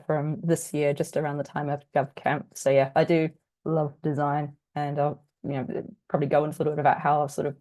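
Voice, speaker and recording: A woman from New Zealand runs a workshop over a video call, her voice husky and croaky as she gets over being sick. She talks in a chatty, self-deprecating way, full of "um" and "sort of", in a fairly low and mellow tone. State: croaky, recovering from illness. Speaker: workshop presenter. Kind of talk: casual online workshop talk.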